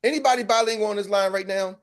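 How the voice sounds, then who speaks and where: A man's voice: sits high, quick pace. An American man coaching a group call in a fiery, preacher-like motivational style, repeating lines for emphasis. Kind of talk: motivational pep talk.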